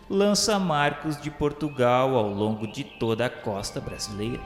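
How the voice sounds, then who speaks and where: Male narrator, Brazilian accent, for solemn radio storytelling; literary and measured, drenched in reverb over music. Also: medium pitch. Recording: echoey hall reverb, music underneath. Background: background music.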